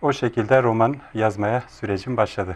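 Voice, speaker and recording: In a quiet setting, a man talks and his pitch moves in an ordinary way. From Turkey, Kars Sarıkamış. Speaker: teacher and author. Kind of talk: TV interview. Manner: hesitant, many fillers.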